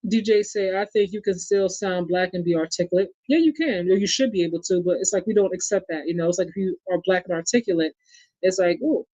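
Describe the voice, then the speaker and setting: A man's voice: high voice, quick pace, warm tone, dry recording. Chatty New York man, dull lo-fi sound. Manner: chatty, addresses the audience as y'all and reads viewer comments aloud. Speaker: podcast host. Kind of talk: casual sports chat.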